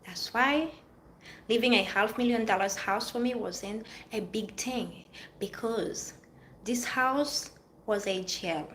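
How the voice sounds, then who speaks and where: A woman's voice: on the high side, takes it slowly, a bit bright. Woman, Haitian-French accent, motivational monologue, earnest and preachy, faint noise behind. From Haiti or France. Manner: earnest, preachy, repeats phrases for emphasis. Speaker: vlogger giving life advice.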